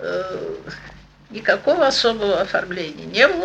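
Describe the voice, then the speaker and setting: A woman speaks with a fairly high pitch and very wide swings in it. Noticeable background noise runs beneath her. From Warsaw, Poland, raised in Belarus. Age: 70s. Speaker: memoirist interviewee, elderly witness of revolution. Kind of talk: casual interview, oral history recollection. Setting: at home, portable tape recorder.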